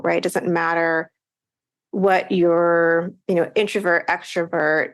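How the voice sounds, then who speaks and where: A woman podcast coach, a guest in a casual interview, talking earnestly and reflectively, with quick bursts of speech. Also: lowish voice.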